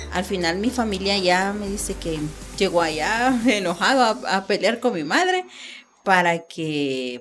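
A woman's medium-pitched voice swings very widely in pitch as she goes at a fairly slow pace. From born in El Salvador, raised in Europe. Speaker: podcast guest. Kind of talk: casual chat. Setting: studio.

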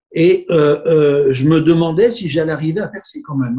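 Slow-ish at a fairly slow pace, a man's high voice carries a dark, mellow tone with ordinary pitch variation. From northern France (Haute-Normandie, Gisors). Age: 70s. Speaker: retired business owner, online seller. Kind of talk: interview. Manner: halting, many repetitions and hesitations.

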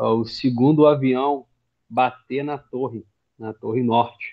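The speech moves very slowly, its intonation fairly even. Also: man. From US Northeast, Connecticut (born in Rio de Janeiro). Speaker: military veteran, US Marine. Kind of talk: casual interview.

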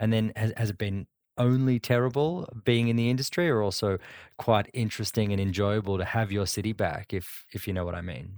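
An Australian accent at a fairly quick pace. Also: man, fairly low pitch for a man, ordinary pitch variation. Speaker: podcast host. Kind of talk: casual interview. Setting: video call.

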